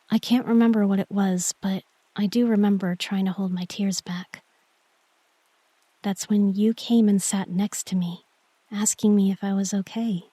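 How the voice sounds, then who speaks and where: A woman playing a shy, tender young girlfriend in an intimate romantic sleep-aid roleplay, speaking softly and breathily, often near a whisper, with gentle hesitancy. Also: mid-range voice, slightly rough, dry recording, close to an everyday voice. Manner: gentle, hesitant, intimate address to one listener.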